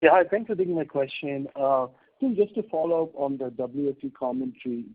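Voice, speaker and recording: A male analyst puts short, conversational questions through a narrow phone connection. His voice is husky and medium in pitch, with a tinny sound from the line. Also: fairly quick. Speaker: financial analyst asking questions. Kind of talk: brief conversational questioning on a call.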